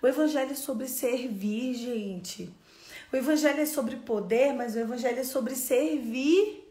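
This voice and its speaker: A woman's voice: high-pitched, a little slow, warm tone, reverberant. A woman preaching a sermon with storytelling, asking her listeners questions and repeating key phrases. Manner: asks the audience many questions.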